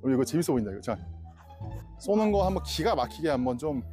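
A man in his thirties chatting casually as a vlog host outdoors, playful and excitable, teasing his companion. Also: mid-range voice, quick pace, soft background music. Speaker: YouTuber hosting a live outing. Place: outdoors at a folk village.

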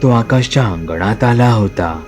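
A man with a Marathi accent telling a scripted horror story as the channel's narrator, steady and slowing for suspense. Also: fairly low pitch, soft background music.

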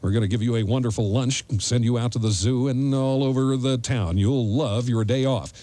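A man's voice: medium pitch, moderate pace, mellow, dry recording. A middle-aged man hosting a live morning radio show with wry, folksy, joking banter, speaking into a studio microphone. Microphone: studio boom microphone with headset.

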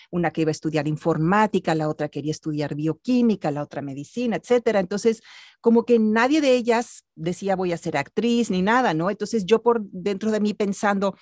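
Middle-aged actress, lively guest telling stories at home, dry close recording. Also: female voice, on the low side, no echo. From born in Italy, raised in Mexico City. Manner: animated, gestures while telling stories. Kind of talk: casual interview storytelling. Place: home room with bookshelf. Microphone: video call.

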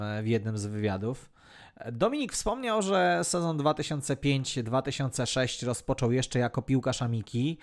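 A man hosting a football podcast, narrating a player's career in a prepared, measured, factual way. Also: mid-range voice.

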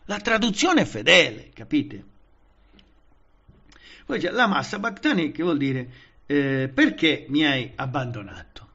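Man, Bible study preacher, lively rising and falling voice, slightly high, dull lo-fi sound. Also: measured pace, long pauses, slightly rough. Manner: lively, emphatic, often asks the listeners "vedete?" and "capite?"; frequent fillers and restarts. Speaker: Pentecostal preacher.

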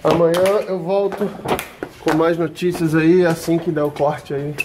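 A man's voice: fairly high pitch, fairly even intonation, unhurried. A man in his twenties with a Brazilian accent, chatting casually and in slang to a phone held at arm's length as a vlogger. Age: 20s. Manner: informal and slangy. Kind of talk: casual vlog chat. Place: tiled kitchen and large covered rooms. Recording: echoey rooms with noisy handheld camera sound.

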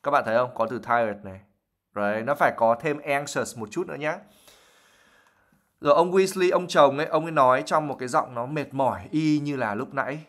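A man's voice: mid-range voice, a little fast, a bit bright. Man explaining vocabulary, patient. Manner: explains words patiently, with many fillers. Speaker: English teacher. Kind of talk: livestream vocabulary lesson.

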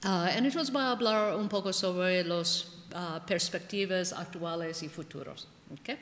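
An older woman whose first language is English, giving an academic lecture in halting speech with frequent "ah" and "ok". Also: on the low side, fairly bright tone. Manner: halting, frequent "ah" and "ok", gestures widely. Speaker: linguist giving a conference talk. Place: large ornate conference hall. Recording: echoey hall with long reverb.

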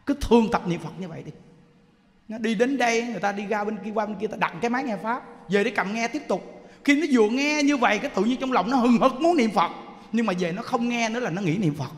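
A man with a Southern Vietnamese accent preaching a Buddhist sermon in a lively way, often asking the audience questions. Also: sits high, fast. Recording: long hall reverb.

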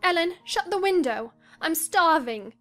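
Peevish, high-voiced young lady played by a woman. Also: lively intonation, a little slow, a bit bright, exaggerated voice. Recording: music behind the voice.

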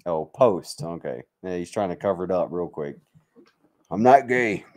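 A man's voice: low-pitched, lively intonation, moderate pace, darkish tone. An American man from Mississippi chatting casually to livestream viewers, blunt and sweary, in a joking, bantering way. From Mississippi, United States. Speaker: livestream host, military veteran.

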